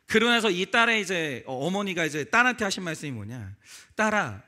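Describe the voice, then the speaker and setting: A man's voice: high voice, sing-song, fast talker, pushed and bright. A male pastor preaching a sermon, acting out quoted lines and pressing the congregation with rhetorical questions. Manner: acts out quoted voices in his telling.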